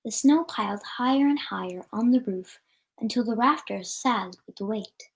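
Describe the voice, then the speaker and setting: A woman's voice: a little high, normal speed, vocal fry, low-quality recording. A woman reading a children's story aloud as a storyteller, with an occasional stumble over the words.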